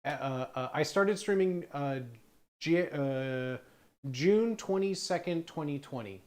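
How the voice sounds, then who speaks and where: A man in his thirties, a streamer and former bartender, chatting casually in a rambling way with quick asides. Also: a little high, expressive, darkish tone. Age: 30s.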